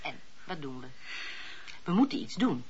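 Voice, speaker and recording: An actress playing a brisk, opinionated woman in a Dutch radio drama. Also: sits low, sing-song, a little mellow, a little hiss or hum. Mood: impatient. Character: brisk, opinionated woman helper, pious letter-answerer. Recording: dull lo-fi radio play recording.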